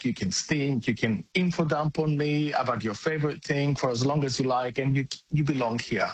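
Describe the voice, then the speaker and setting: A man's voice: medium pitch, husky, no echo, poor audio. A middle-aged man from Greece, giving blunt, earnest interview answers with occasional restarts. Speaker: interview guest.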